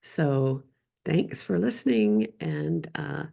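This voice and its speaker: Woman podcaster, hoarse and gravelly, speaks slowly, wanders off-thread casually. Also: extremely low pitch, wildly swooping pitch, mellow. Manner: rambling, loses her train of thought. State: scratchy voice. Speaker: podcast host and business coach. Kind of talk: casual solo podcast talk.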